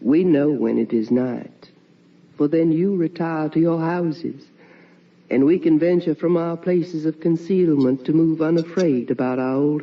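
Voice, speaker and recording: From a muffled old radio play comes the ghost of a wife and mother, full of longing and sorrow. The voice is low for a woman and drifts very slowly, hushed and theatrical, a little away from the microphone. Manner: slow, hushed, theatrical delivery. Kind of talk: radio drama monologue. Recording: muffled old radio recording, distant mic.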